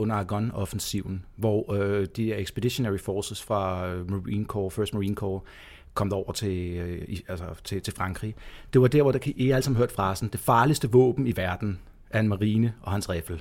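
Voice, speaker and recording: A man with a normal speaking voice talks at a moderate pace, fairly low in pitch with ordinary pitch variation. The recording is very clean, with a silent background. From Denmark, North Zealand (Holte). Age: middle-aged. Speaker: podcast host. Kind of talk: casual chat.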